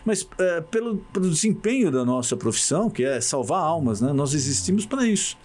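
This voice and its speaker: A man speaks as a church guest, telling stories with emphasis. His pitch climbs and falls a lot, and he lands firmly on his key points. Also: fairly quick. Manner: animated storyteller, emphatic. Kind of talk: casual talk show conversation.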